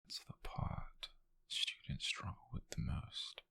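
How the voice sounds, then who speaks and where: A British man playing a gentle, teasing witch mentor in an ASMR roleplay, speaking in a breathy, hushed half-whisper with soothing, intimate phrasing. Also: no echo, clean studio sound. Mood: soft, reflective. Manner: soothing, intimate, unhurried, softly formal phrasing. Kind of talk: ASMR roleplay addressed to the listener.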